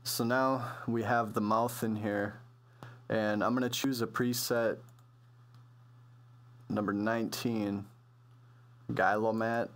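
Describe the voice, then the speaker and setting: A man with a low voice presents a music production tutorial. He explains things casually and loosely, with plenty of slang, as if working it out as he goes. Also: little pitch movement, slow, pauses often. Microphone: computer voice-over on a microphone.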